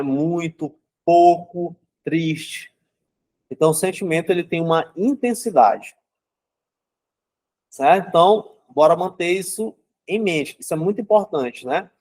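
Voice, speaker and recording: Young man with a slightly high voice, explaining psychology in a relaxed, conversational way. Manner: conversational, keeps asking "né?" and "certo?". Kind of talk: casual teaching talk.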